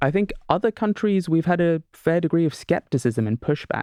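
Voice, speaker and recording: The man's pitch shifts in an ordinary way. He talks fairly quickly. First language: Urdu. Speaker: chief AI officer at a global health nonprofit. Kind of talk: podcast interview.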